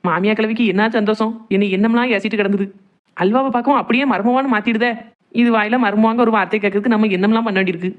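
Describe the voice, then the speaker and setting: Woman playing a rapid-fire chatty Tamil village daughter-in-law. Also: mid-range voice, fairly even intonation, narrow, tinny audio, close to an everyday voice. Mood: teasing. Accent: Tirunelveli Tamil. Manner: rapid, chatty, cajoling dialect speech. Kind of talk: cartoon family comedy dialogue.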